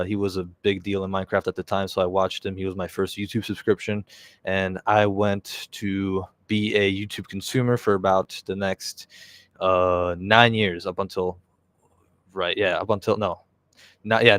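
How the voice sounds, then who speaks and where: A man's voice: deep voice, a bit bright, no room sound. A young man of about twenty, hosting a casual live stream and rambling with many fillers and self-corrections. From Czech Republic. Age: around 20.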